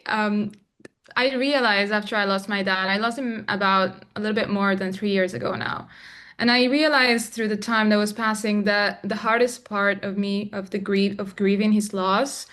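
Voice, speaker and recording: A young adult woman from Morocco, a filmmaker guest in an interview, speaking reflectively with frequent pauses and restarts. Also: mid-range voice, fairly even intonation, a bit bright. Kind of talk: interview conversation.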